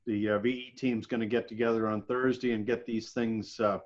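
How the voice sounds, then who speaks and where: A man with a medium-pitched voice speaks in a casual, encouraging way. He sounds like a seasoned hobbyist in conversation, recorded with slightly muffled, lo-fi audio. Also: level tone, fairly quick. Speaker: experienced ham radio hobbyist. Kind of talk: casual chat.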